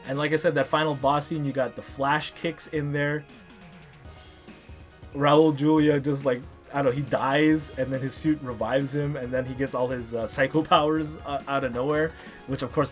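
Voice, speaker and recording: A man's voice: mid-range voice, fairly even intonation, fairly quick, soft background music. A man hosting a casual movie review vlog, talking enthusiastically and rambling a little. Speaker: host.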